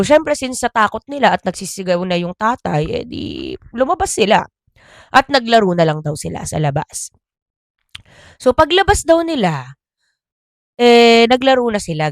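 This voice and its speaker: A woman vlogger telling a gossip story in a casual, animated way, speaking directly to her listeners. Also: a little high, no room sound, studio quality.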